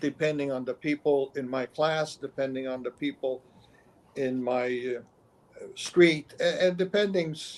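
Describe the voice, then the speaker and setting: Using a normal speaking voice, a man talks at a fairly slow pace with fairly even intonation and a fairly high pitch. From Molise, Italy, raised in Canada from childhood. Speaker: retired nonprofit executive. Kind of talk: panel discussion. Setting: video call.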